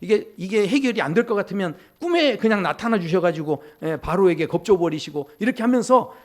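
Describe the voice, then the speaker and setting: A man's voice: high-pitched, animated, fairly quick. A man preaching a Sunday sermon as pastor, joking with the congregation and acting out the people he quotes. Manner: playful, jokes with the congregation, acts out quoted voices. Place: church sanctuary.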